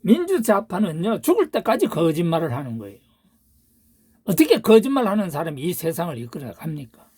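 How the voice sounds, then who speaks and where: A woman's voice: on the low side, big pitch swings, brisk, a little mellow, slightly rough, no echo, studio quality. An older woman giving a political monologue as a channel host, ranting with rhetorical questions and insults.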